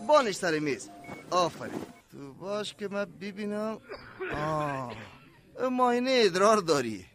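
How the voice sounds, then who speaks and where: A man's voice: high-pitched, animated, a bit bright, soft background music. An Afghan-accented male actor playing a fussy, irritable laboratory chief in a radio drama, curt and pompous. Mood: exasperated.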